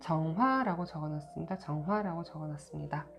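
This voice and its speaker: A woman's voice with music in the background. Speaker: book reviewer, video creator. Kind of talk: book review talk.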